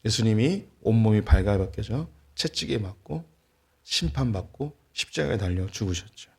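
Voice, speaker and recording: A middle-aged man preaching a sermon as a pastor, telling a family story with light humor and plainspoken warmth before turning to the gospel message. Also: lowish voice, lively intonation, moderate pace, gravelly, slightly rough. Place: church sanctuary.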